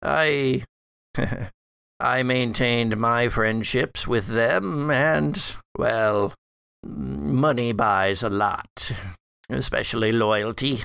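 A man performs a scheming, scholarly old patriarch speaking from beyond death in a horror roleplay. The voice is smooth but creaky, captured dry and close. The phrasing is formal and deliberate, with halting pauses as he reasons. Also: medium pitch, a bit bright, no echo, exaggerated voice. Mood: measured, secretive. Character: dead old male ancestor, scholarly, wry, scheming. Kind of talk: improvised tabletop horror roleplay.

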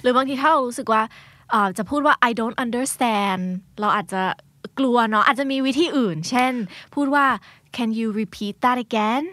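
Woman cohost, chatty, a bit high voice, dry close sound. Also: fast, a bit bright, no echo. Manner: chatty, switches easily between Thai and English. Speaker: podcast co-host. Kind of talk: casual podcast chat on learning English.

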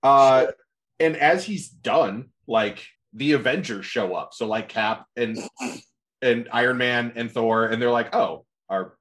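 A man's voice: medium pitch, a little slow, fairly bright tone. A man hosting a casual podcast, animatedly retelling a comic story and laughing as he talks. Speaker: podcast host. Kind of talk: casual comic recap chat.

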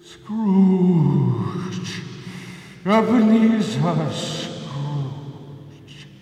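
A man's voice: high-pitched, expressive, dark tone, exaggerated voice. A man playing the solemn, haunting ghost of a dead business partner in a stage radio play, theatrical, with a ghostly reverb. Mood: haunting, commanding. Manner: slow, drawn-out calling, theatrical. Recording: long echoing reverb, music behind.

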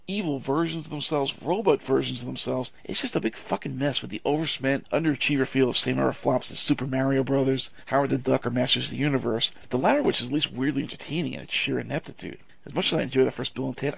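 A man's voice: medium pitch, gravelly, husky, no room sound. A man co-hosting a podcast, reading out a prepared film review in a fluent, sardonic way. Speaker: podcast co-host. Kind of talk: scripted film review read aloud. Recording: dull lo-fi sound.

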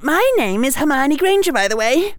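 A man voicing an eager, bossy know-it-all schoolgirl of about eleven, talking briskly and excitably. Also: very high-pitched, dry recording, studio quality, voice pushed up.

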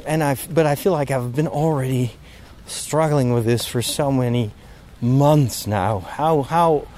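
Hoarse-throated man thinking aloud, halting. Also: medium pitch, darkish tone, a little hiss or hum. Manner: halting, many restarts and fillers, frustrated. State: sore throat. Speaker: podcast host. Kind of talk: casual spoken reflection, walking outdoors. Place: outdoors in a park near road works.

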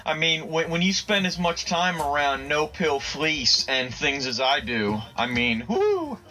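A man's voice: on the high side, sing-song, unhurried, sharp tone, low-quality recording. A man co-hosting a comedy podcast, rambling through silly paranoid tangents with plenty of swearing and laughter. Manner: rambling, profane, laughs often. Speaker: podcast co-host. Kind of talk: casual comedic chat.

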